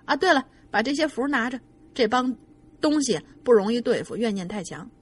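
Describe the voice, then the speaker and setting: 七十岁左右的乡村神婆，由女主播顺口扮演. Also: female voice, a little high, expressive, brisk, breathy edge. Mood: brisk, assured. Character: old village spirit-medium woman, about seventy, brisk and assured.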